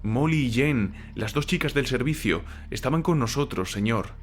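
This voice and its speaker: A man's voice: medium pitch, normal speed, close to an everyday voice. Frightened young servant, acted by a man, over music. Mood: indignant, disgusted. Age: young adult. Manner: deferential, repeatedly addressing his master as sir. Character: young cockney ex-soldier servant, frightened but defensive. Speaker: voice actor in an audio drama. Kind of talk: dramatized horror audiobook dialogue.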